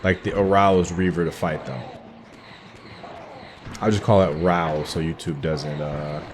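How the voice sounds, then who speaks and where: Deep-voiced man doing casual game commentary. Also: fairly even intonation, a little slow, background noise. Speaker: gaming streamer doing a playthrough. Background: game music.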